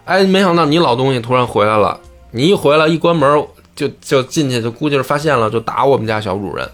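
A self-righteous, busybody barber in a storytelling tale, as a man puts him on, scolding with indignant force. His voice stays close to the teller's own, lively in pitch, with faint music behind. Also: quick pace, lightly acted. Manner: indignant, shouting accusations. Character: meddling, self-righteous male barber, loud.

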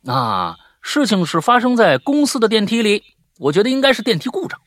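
A man with a rough, husky voice hosting and telling listener stories in a chatty way, prone to grumbling, scolding asides. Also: high-pitched, very animated, a little fast, a bit bright, dry recording. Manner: grumbling, scolding, exasperated rants. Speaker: host reading listener stories. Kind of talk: animated storytelling with chatty asides.

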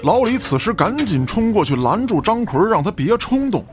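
A man's voice: sits high, very animated, moderate pace. A man narrating a scripted audio drama as a storyteller, in a dramatic reading style. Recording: background music under the voice.

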